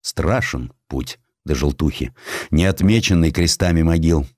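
A man narrating historical tales as a literary audiobook, with an expressive, dramatic storytelling delivery. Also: very deep voice, a little slow, no room sound, studio quality.

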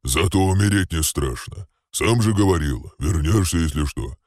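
A man voicing a gruff, slow-witted male orc warrior who talks in broken grammar. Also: low voice, lively intonation, darkish tone, no echo, clean studio sound, voice pushed down. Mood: blunt.

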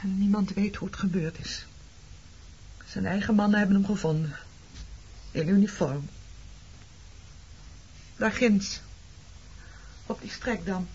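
An actress playing a defensive, grieving woman in a Dutch radio drama, speaking in a halting, emotional, pleading way. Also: mid-range voice, darkish tone, slightly rough, heavily acted. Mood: sorrowful, searching. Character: defensive grieving woman, shunned for loving an enemy officer. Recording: dull lo-fi radio play recording.

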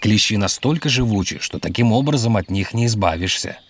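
Patient doctor, lowish steady voice, explains things like a teacher. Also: male voice, a little fast. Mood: instructive. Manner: calm, instructive, explains patiently. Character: calm adult doctor out picking mushrooms.

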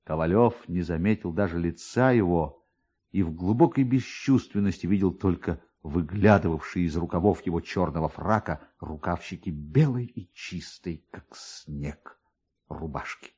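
A man narrating a literary story in an expressive style. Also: sits low, normal speed, husky.

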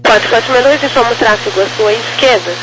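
A woman's voice: on the high side, fast. A woman air traffic controller giving clipped landing and taxi instructions over aviation radio.

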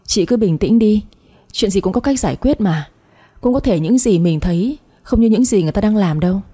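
A sharp-tongued young woman who says exactly what she thinks, mocking and blunt, read by a woman storyteller. Her voice sits dark and husky. It is a spoken storybook telling. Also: mid-range voice, animated, brisk. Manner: outspoken, mocking.

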